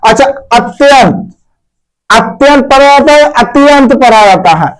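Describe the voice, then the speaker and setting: A man's voice: very high-pitched, measured pace, low-quality recording. A man teaching a grammar lesson to pupils at a board, repeating key words and quizzing them. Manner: addresses pupils as "मेरे प्यारे बच्चों".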